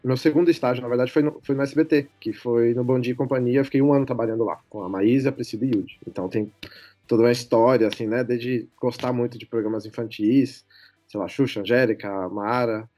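A man's voice: mid-range voice, steady tone, fast talker, dark tone. A man, chatting as a podcast guest and laughing often. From São Paulo, Brazil. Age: 30s. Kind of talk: casual chat.

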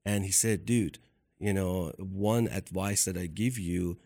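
A man's voice: deep voice, dark tone. A man with a non-native accent, telling a personal story in casual chat, with frequent restarts. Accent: non-native English. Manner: halting, with many restarts.

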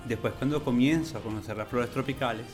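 A man's voice: mid-range voice, faint music behind. A man from Venezuela, an interview guest speaking enthusiastically, stretching words for emphasis. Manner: enthusiastic, animated, drawn-out emphasis. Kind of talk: conversational storytelling.

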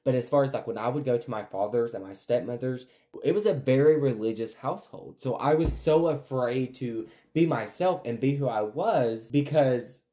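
Male podcast host, 20s, mid-range voice, casual, candid and animated storyteller. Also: medium pitch, normal speed. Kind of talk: casual personal chat.

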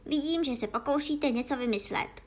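Woman voicing a cranky suspicious pigeon, gruff lowered voice, scolding, storybook. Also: darkish tone. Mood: grumbling. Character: grumpy male pigeon, suspicious and complaining.

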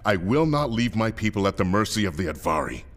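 Grim fleet commander, deep, deliberate, unyielding, sci-fi audio drama. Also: male voice, big pitch swings, a bit bright. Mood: adamant. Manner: firm, deliberate. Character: grim, resolute male military commander. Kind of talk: science fiction audio drama acting.

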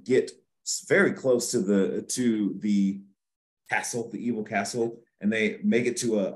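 Male podcast host, low voice, loose rambling delivery, casual episode recap. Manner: rambling, with frequent restarts and fillers.

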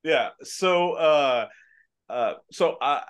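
A man's voice: a little high, animated, drawn-out words. A man with an American accent, a podcast guest talking casually with many fillers and restarts over a video call. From Afghanistan. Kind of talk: casual chat.

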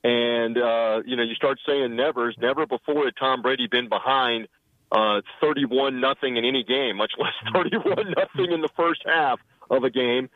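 A man's voice: mid-range voice, normal speed, no room sound. A man calling in to a sports radio show from a car at a drive-thru. He talks casually with dry humor and frequent fillers, heard over a phone line on speaker.

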